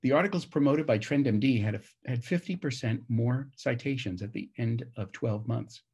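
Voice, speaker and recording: A man presents prepared slides at a conference session. His voice is creaky and husky at a middling pitch, and he explains in a measured, formal way. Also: a little mellow. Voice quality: gravelly, husky.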